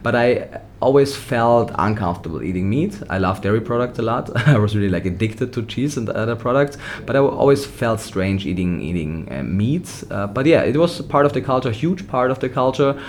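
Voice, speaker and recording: A man's voice: medium pitch, expressive, normal speed, hardly any pauses, slight background noise. A young man from Austria, a native German speaker with an Austrian accent, answering interview questions thoughtfully, restarting his sentences often. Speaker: nutrition scientist guest.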